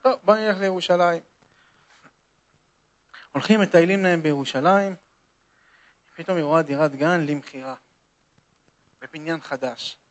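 Male storyteller, slightly high voice, emphatic and animated, talks straight to his listeners. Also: pauses often. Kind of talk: telling an inspirational true story to listeners.

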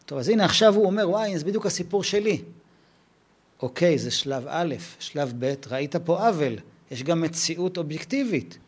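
A middle-aged man teaching Torah to a live audience, animated and conversational, acting out dialogues with a raised voice. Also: on the high side, husky.

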